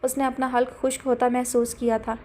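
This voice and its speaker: A woman's voice: sits high, little pitch movement, dark tone. A woman narrating an audio novel in a dramatic storytelling manner. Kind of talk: scripted narration.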